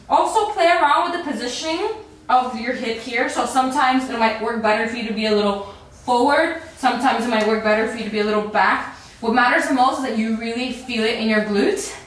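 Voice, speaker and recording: A woman leads a workout in a peppy, encouraging, casual way, exerting herself as she talks. Her voice is a little high with a fairly bright tone. She's recorded in an echoey room from a distant microphone.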